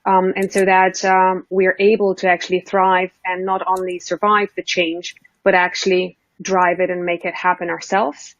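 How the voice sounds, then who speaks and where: Low, even-toned woman, muffled audio. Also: moderate pace, few pauses, no room sound. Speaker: consultant, webinar panelist. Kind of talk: professional self-introduction. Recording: muffled dry online-call audio.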